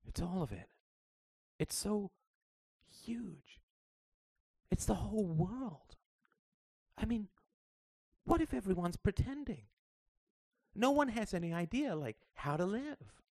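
A man's voice: high voice, animated, slow pace, long pauses, a little mellow, no room sound, studio quality, pitched above the performer's own voice, exaggerated voice. A man voicing a persistent, earnest young schoolgirl who halts and searches for words.

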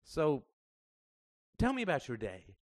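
A man's voice: on the high side, wildly swooping pitch, unhurried, dry recording, clean studio sound, pitched above the performer's own voice. A man voicing a tight-lipped mother who sounds strained and evasive.

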